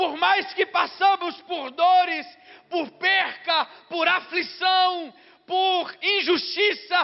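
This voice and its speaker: A man's extremely high pitch in a monotone, flat intonation at a very slow pace. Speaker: pastor. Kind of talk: sermon. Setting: church.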